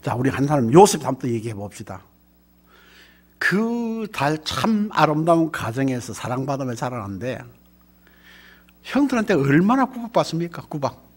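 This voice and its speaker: Animated husky Gyeongsang preacher man. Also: a little high, normal speed. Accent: Gyeongsang Korean. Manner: animated preaching with rhetorical questions and congregation call-and-response. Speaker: pastor. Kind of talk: sermon.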